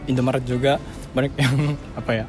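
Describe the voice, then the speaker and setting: A man's voice: mid-range voice, flat delivery, a little fast. Japanese man chatting in foreigner's Indonesian. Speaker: interviewee, content creator. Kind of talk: casual anecdotes in Indonesian as a foreign speaker. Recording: loud music behind.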